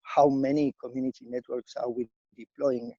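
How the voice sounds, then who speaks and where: Guy w doing a conference talk, kinda mellow n halting, dry sound. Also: mid-range voice, little pitch movement, no echo, highs cut off. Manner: hesitant, halting phrasing. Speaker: community network organization representative, speaker. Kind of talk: semi-prepared conference presentation.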